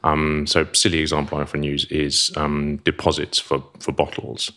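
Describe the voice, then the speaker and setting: In a casual podcast conversation, a middle-aged guest from Zimbabwe talks with clipped vowels, his accent mellowed by long years in England. He's wry and self-deprecating, with a bass voice, a completely flat delivery and a normal pace.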